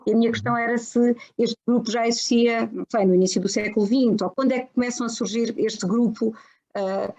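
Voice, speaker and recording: A woman's voice: fairly high pitch, fairly even intonation, fairly quick, a little mellow. A woman asking questions at an academic seminar, polite and hesitant, with many fillers and restarts, on a dull, lo-fi recording. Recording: dull lo-fi sound.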